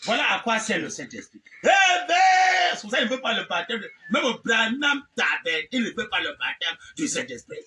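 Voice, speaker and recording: A man's voice: high voice, very animated, a little fast, hardly any pauses, sharp tone. A man preaching a fiery revivalist sermon, exclamatory and theatrical, insistently repeating phrases and amens. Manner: mocking, theatrical asides. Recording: distant mic with faint background noise.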